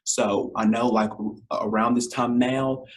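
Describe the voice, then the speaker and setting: A young man with a scratchy, deep, hoarse voice, hosting an education podcast from his living room and talking straight to the camera, repeating his key points. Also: fairly even intonation, a little slow. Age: young adult. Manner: direct, repeats key points, addresses parents as y'all. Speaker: podcast host. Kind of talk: casual educational monologue. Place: home living room, indoors.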